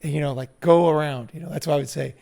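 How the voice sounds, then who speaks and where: A man with a gravelly edge and a slightly high voice tells stories to a small group. His talk is loose and animated, full of fillers and some swearing. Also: quick pace. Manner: animated anecdotes, profane, lots of 'like' and 'you know'. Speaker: group member telling stories. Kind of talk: casual storytelling.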